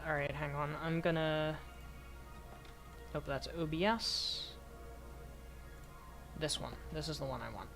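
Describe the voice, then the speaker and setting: Hoarse young woman, low slow voice. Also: a bit bright. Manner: rambling, talks to herself while playing. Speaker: game streamer. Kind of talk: casual gameplay commentary.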